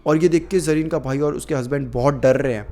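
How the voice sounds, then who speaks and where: A man's voice: on the high side, fast, mellow. A man narrating a horror story in a casual, conversational way with many fillers.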